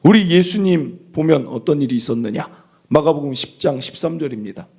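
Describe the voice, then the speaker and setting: Male pastor, sermon delivery, lively and expressive, slightly raised husky voice. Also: on the high side, a little fast. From South Korea. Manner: animated, acts out parents and children in quoted voices, drops to near-whispers.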